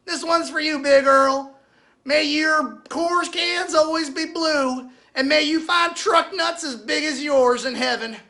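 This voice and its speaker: A man's voice: very high voice, a little slow, gravelly, pushed and bright, heavily acted. A man playing an earnest, folksy hunter, delivering an emphatic comic eulogy. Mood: proud, emphatic. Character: earnest good-old-boy hunter eulogizing his buddy.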